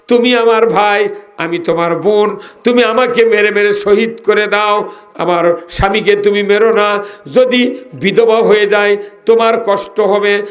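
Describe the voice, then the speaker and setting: A man's voice: sits high, a bit bright. A man preacher voicing a sister who pleads with her brother to spare her husband.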